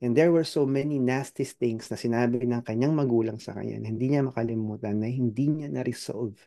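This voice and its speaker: A mellow, darker-toned man with a Filipino accent delivers a sermon in dramatic waves. He moves between Tagalog and English, stretches out key phrases, and jumps up into acted voices. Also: gravelly. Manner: dramatic swings in pitch and volume, slows down on key points. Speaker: preacher.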